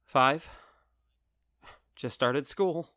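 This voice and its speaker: A man's voice: mid-range voice, extremely slow, bright, forceful tone, dry recording, studio quality. A man playing an anxious young father in a naturalistic audio drama, hesitant and awkward in his talk. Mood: shaken, hesitant. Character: anxious ordinary young father, former patient.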